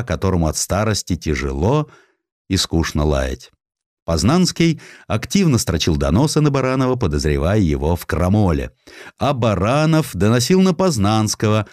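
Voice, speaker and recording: Low, lively male storyteller. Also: no room sound, studio quality. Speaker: audiobook narrator. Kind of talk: expressive scripted narration of a satirical historical sketch.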